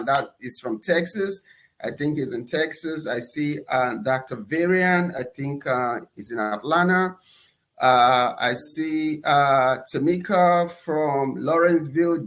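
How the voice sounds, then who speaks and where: A man with a Nigerian accent hosting a live webinar, energetic and enthusiastic, often pausing on "uh" and ending points with "okay?". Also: a little high. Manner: energetic, enthusiastic shout-outs; fillers and repeated "okay?". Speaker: webinar host.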